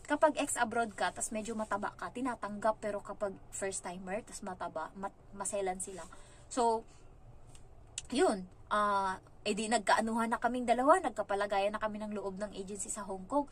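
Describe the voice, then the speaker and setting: A young woman from the Philippines telling her story casually as a vlogger, chatty and animated, acting out other people's lines in passing. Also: medium pitch, moderate pace, slight background noise.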